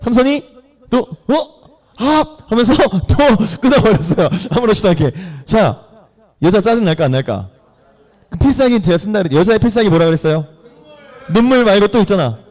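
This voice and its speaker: A man's voice: high voice, lively intonation, brisk, a little mellow. A man preaching a sermon in church, retelling a story with playful questions to the congregation and acted-out voices. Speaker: pastor.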